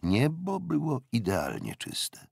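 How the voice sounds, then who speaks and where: An older man reading a novel as an audiobook narrator, in dramatic literary style with a gravelly, husky voice. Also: mid-range voice, wildly swooping pitch, takes it slowly, darkish tone, dry recording, clean studio sound.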